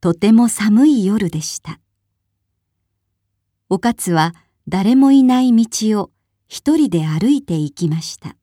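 Slow, mellow woman reading a story. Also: mid-range voice, lively intonation, no echo, studio quality. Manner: clear, explanatory, measured.

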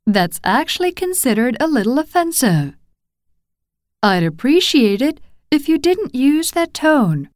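Slow, clear woman reading practice phrases. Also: sits high, very animated, a little mellow, dry recording, studio quality. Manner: slow, clearly enunciated delivery. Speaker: phrase reader. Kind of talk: reading model phrases for English learners.

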